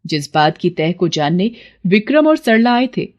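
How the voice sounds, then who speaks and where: A woman tells a children's cartoon tale in scripted narration. Her delivery is expressive, with a lively, varied melody. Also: fairly low pitch, moderate pace, lo-fi sound. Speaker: storyteller narrator.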